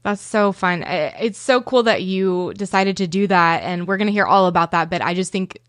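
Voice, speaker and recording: A woman's voice: on the low side, normal speed, fairly bright tone, no echo, clean studio sound. A woman in her thirties hosting a podcast interview, upbeat and chatty, laughing easily as she asks questions. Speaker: podcast host. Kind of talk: casual interview chat.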